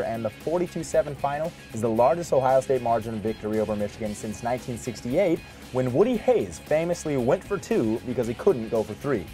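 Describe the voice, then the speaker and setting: A male highlights narrator with a medium-pitched voice delivers a scripted sports voice-over. He is punchy and wry, stacking up statistics as he goes. Music plays beneath his narration. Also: mellow. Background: music bed under the voice.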